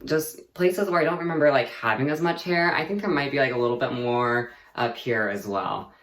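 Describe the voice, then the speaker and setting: A man's voice: mid-range voice, normal speed, a bit bright. A young man vlogging a casual personal update, rambling and chatty with lots of fillers and easy laughter. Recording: echoey room.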